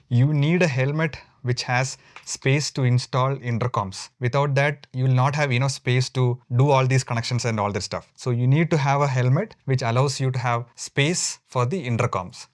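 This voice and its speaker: A man's voice: mid-range voice, dry recording, clean studio sound. A man with an Indian accent giving an informal step-by-step tutorial as a moto vlogger, often repeating and rephrasing his points.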